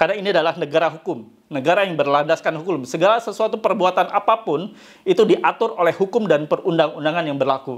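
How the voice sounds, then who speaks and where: A man talks at a very fast pace with high pitch and lively intonation. His tone is animated, and the background is quiet. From Indonesia. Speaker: YouTuber, former debt collection manager; YouTuber. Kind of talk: motivational vlog monologue. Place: home room.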